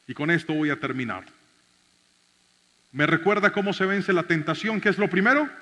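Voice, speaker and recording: A male pastor telling a story in a sermon, dramatic, swinging from shouts to hushed tones. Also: on the high side, animated, moderate pace, slight background noise. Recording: reverberant hall.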